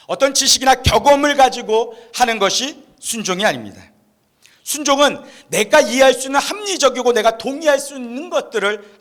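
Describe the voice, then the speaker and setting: A male pastor preaching a sermon with a fairly high voice. He tells an illustrative story and puts questions to his listeners. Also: a bit bright. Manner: storytelling, rhetorical questions to the congregation. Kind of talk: Christmas sermon.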